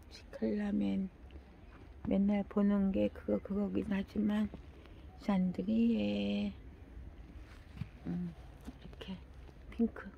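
An older woman talking slowly to herself while tending plants in a casual gardening vlog, often dropping into a half whisper. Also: medium pitch, vocal fry, muffled recording, a little hiss or hum. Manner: slow, murmuring, often drops to a half whisper. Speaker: gardening vlogger.

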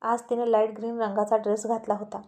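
A woman storyteller reading a romance story aloud in a steady, expressive narrating style. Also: on the high side, fairly quick.

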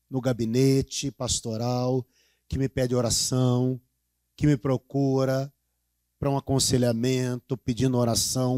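A middle-aged man with a Brazilian Portuguese accent preaching a dramatic sermon in a church, swinging between loud cries and hushed pleading. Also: medium pitch, no room sound, clean studio sound. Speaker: pastor.

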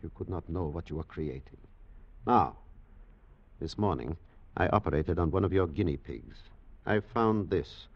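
An actor playing a grave, world-weary older German scientist in a 1940s radio drama, speaking deliberately. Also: male voice, low-pitched, animated, creaky, breathy edge, heavily acted. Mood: grave, foreboding. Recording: muffled 1940s radio broadcast.

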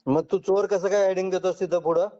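A man's voice: high-pitched, fairly even intonation, fast, dark tone. A man with a rural western Maharashtra accent, interrogating and scolding someone on a phone call in blunt, coarse, condescending colloquial speech. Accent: rural western Maharashtra Marathi. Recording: muffled lo-fi phone call recording.

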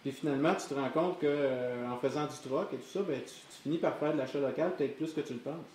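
A man interviewing off camera, asking quick, teasing questions. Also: medium pitch, darkish tone. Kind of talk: casual chat. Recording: echoey room with hiss.

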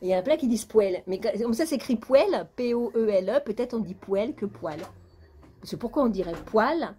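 A woman's voice: on the high side, expressive, fairly quick, dark tone, a little hiss or hum. Chatty complaining woman vlogger. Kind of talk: casual chat.

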